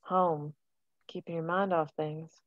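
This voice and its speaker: A woman reading the part of a gentle, caring woman who organizes a camp, at a table read. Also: sits low, level tone, a little slow, dull audio.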